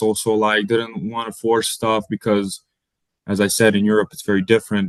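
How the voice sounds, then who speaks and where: A man with a Bosnian accent, in a dry, close sound with no echo. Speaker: college basketball player. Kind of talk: interview. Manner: halting, many repetitions.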